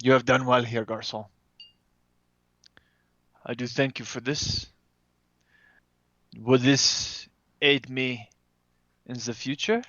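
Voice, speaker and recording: Man playing a formal, proud plant creature, bright edge. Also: mid-range voice, steady tone, slow pace, pauses often, dry recording, lo-fi sound. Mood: measured, courteous. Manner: formal, stilted phrasing sprinkled with French words.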